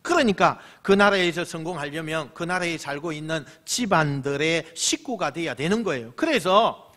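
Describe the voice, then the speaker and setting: A man's voice: fairly high pitch, animated, moderate pace, fairly bright tone. A male senior pastor preaching a sermon emphatically, repeating phrases and putting questions to the congregation.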